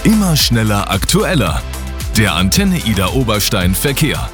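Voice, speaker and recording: A man's voice: on the low side, huge pitch swings, normal speed. A man voicing promotional station jingles and announcements in a punchy style. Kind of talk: radio jingle voice-over. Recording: music bed under the voice. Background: jingle music.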